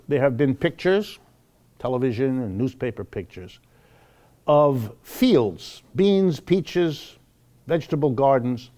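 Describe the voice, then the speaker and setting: Older guy giving a talk to an audience, medium pitch, leans hard on words then drops off for asides. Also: a little mellow. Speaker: host and lecturer of an economics program. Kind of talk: public lecture with announcements, spoken to a live audience.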